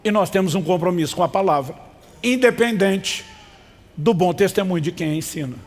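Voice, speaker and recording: A Brazilian man preaches emphatically from the pulpit, urging the congregation to repeat after him. His voice sits a little high for a man. It rings with the long reverb of a large church hall. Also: fast talker, darkish tone. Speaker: pastor. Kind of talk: sermon.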